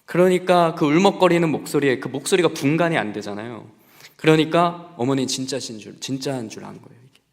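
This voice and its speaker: Preaching to his congregation, this young adult male pastor uses a medium-pitched, brisk voice and an easygoing storytelling style, asking them questions along the way. The sermon is recorded in a church sanctuary with the long reverb of a church hall.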